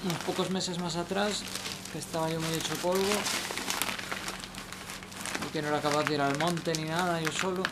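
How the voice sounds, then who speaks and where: A man's voice: on the high side, steady tone, moderate pace, pauses often. A young man giving casual spoken advice outdoors at night, rambling and hesitant with many restarts. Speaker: vlogger. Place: outdoors under a station shelter at night. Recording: noisy outdoor night recording.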